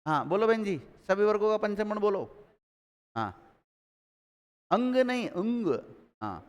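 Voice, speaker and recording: A man's voice: high-pitched, big pitch swings, fairly quick, clear, resonant tone, in a large hall. A man teaching a live grammar class, drilling students with repeated questions and calling on them by name.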